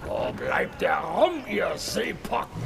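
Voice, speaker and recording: A man voicing a bad-tempered pirate captain in an audio play, gravelly, roaring colourful curses. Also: sits high, wildly swooping pitch, takes it slowly, very noisy, voice pushed up, exaggerated voice. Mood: gruff, demanding.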